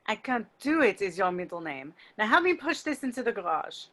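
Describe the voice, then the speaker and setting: A woman's voice: mid-range voice, very animated, fairly quick, fairly bright tone. A woman playing a frank, encouraging young French exchange student in an amateur script read over a video call. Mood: frank, prodding.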